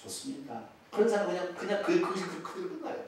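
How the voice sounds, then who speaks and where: A man preaching a sermon as pastor, with a regional Korean accent, swinging between loud exclamations and hushed asides. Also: high voice, quick pace, slight background noise. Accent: Korean regional dialect. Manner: animated preaching with sudden loud exclamations and drops to near-whispers. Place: church sanctuary. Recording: echoey church sanctuary, from far off.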